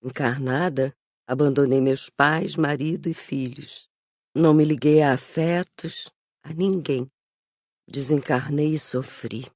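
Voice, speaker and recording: Woman voicing an ashamed, weary woman, low-key and mellow. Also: steady tone, a little slow, dry recording, studio quality. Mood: ashamed, sorrowful. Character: ashamed, weary woman spirit, recovering alcoholic. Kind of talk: audiobook character reading.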